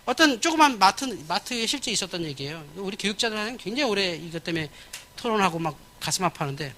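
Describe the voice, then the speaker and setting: A man in his fifties, a pastor giving a church lecture in a blunt, animated way, often acting out other people's voices. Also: high voice, fast, a little hiss or hum. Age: 50s.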